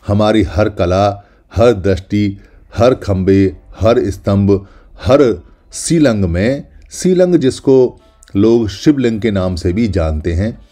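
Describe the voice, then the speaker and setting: Slow, deep-voiced solemn male narrator. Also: mellow. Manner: solemn, speaks as the caves themselves in first person; deliberate, lists names one by one. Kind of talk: scripted documentary narration. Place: voice-over.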